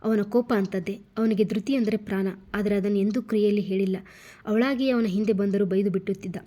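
A woman narrates a scripted love story in a steady, even storytelling voice. Her tone is warm and mellow, never sharp. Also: medium pitch, fast.

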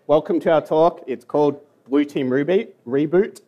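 A young Australian man gives a casual, joking talk at a security conference in a hall, sometimes mumbling. His voice is a little high, his pace moderate, and the recording muffled.

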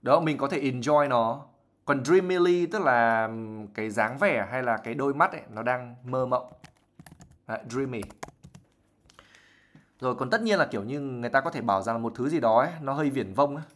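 A male English teacher explaining vocabulary in a relaxed, chatty way on a live lesson. He mixes English words into his explanations, reads passages from a novel aloud and acts out examples as he goes. His pitch sits in an ordinary middle range. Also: a little fast. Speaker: IELTS teacher.

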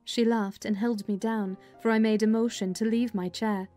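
A woman's voice: fairly high pitch, fairly even intonation, moderate pace, mellow. A woman narrating a dramatized audiobook of a classic novel in the first person. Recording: music under the voice.

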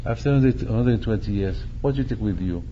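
A man's voice: lowish voice, fairly quick, mellow, highs cut off, a little hiss or hum. An older man, a rabbi, preaching animatedly, repeating phrases and acting out quotes, speaking into a stand mic in a synagogue hall. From Morocco. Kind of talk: sermon. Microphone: stand mic at chest.

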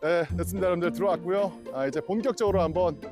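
A man in his thirties chatting casually as a vlog host outdoors, playful and excitable, teasing his companion. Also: high-pitched, rapid-fire, music in the background. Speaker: YouTuber hosting a live outing. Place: outdoors at a folk village.

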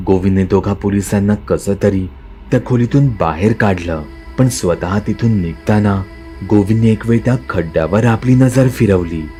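A man with a Marathi accent telling a scripted horror story as the channel's narrator, steady and slowing for suspense. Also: on the low side, faint music behind.

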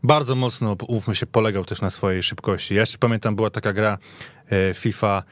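A man with a fairly low voice chats as a football pundit in a podcast discussion. The sound is dry and close, and his way of talking is conversational, often tacking on little questions. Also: fairly even intonation, a little fast, no room sound. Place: radio studio.

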